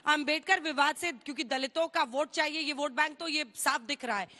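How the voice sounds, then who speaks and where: Brisk woman anchoring a debate. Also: high voice, pushed and bright. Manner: brisk, cuts in to steer speakers. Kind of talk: moderating a TV debate.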